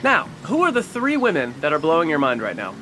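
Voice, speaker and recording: A man interviewing someone outdoors at a home garden, upbeat and quick in his questioning. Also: on the high side, huge pitch swings, pushed and bright, a little hiss or hum. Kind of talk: rapid-fire interview questions.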